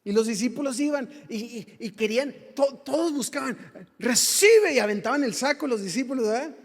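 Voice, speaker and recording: A man's voice: very high-pitched, brisk. A man with a Mexican accent preaching a sermon, fervent and firing rhetorical questions at the congregation. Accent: Mexican Spanish. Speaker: pastor. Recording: long hall reverb.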